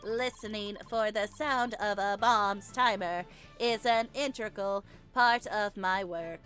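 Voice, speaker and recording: A woman's voice: mid-range voice, fairly even intonation, takes it slowly, a bit bright, faint music behind. A woman playing a proud, defensive male bomb specialist testifying in a courtroom game, in a solemn, self-important way. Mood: matter-of-fact.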